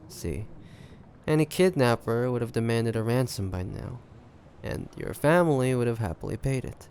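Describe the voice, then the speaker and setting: A man playing an ambitious, shrewd pirate captain in an audio roleplay, taunting the listener in a deliberate, conspiratorial way. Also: medium pitch, creaky, darkish tone, slight background noise, lightly acted. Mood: smug probing. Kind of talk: roleplay audio drama monologue addressed to listener.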